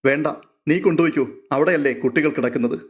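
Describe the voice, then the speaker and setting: A tender, choked young woman, read out by a male narrator speaks softly and in a subdued way. The reader keeps close to his own voice in a storybook reading. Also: on the high side, quick pace, natural voice. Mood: tearful.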